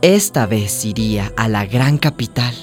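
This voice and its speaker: A woman's voice: rumbling low, expressive, unhurried, a little mellow, faint music behind. An actress playing a young trans woman hairdresser who tells her life in a radio drama, tender and wounded. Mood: wistful, confiding. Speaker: narrator and lead of a radio drama. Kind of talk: radio drama acting and narration.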